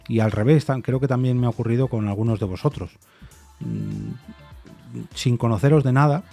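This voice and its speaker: A podcast host whose first language is Spanish delivers a reflective solo opinion monologue in a dark, relaxed, medium-pitched voice. Thoughtful and hesitant, he thinks out loud, circling his point with many restarts and soft, repeated "no"s. A faint music bed plays quietly beneath him.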